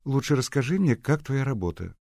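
A man voicing a gentle, earnest young woman student. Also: mid-range voice, very animated, a little fast, creaky, dry recording, studio quality, pitched above the performer's own voice. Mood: curious.

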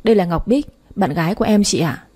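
A woman voicing a gentle young man who softly reassures his girlfriend in a storybook reading. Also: mid-range voice, animated, quick pace, husky.

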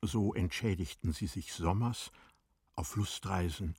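A man narrating a literary radio drama in a measured, formal storytelling manner. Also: deep voice, darkish tone, breathy edge, no echo, studio quality.

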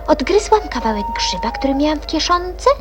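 A woman's voice: sits high, sing-song, normal speed. An actress playing a curious, outspoken young girl in a children's radio play, both acting and narrating. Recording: music behind the voice.

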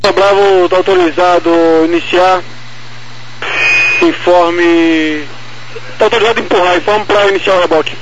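A man's voice: high voice, steady tone, normal speed, pauses often, dull audio. A Brazilian man giving clipped, procedural air traffic control callouts over aviation radio.

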